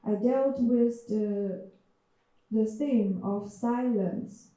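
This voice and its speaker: Chinese-accented woman speaker, measured and hesitant, dark mellow tone, far off in a big reverberant hall. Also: fairly high pitch. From China. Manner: hesitant, many fillers and restarts. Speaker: writer and panel speaker. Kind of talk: reflective public talk.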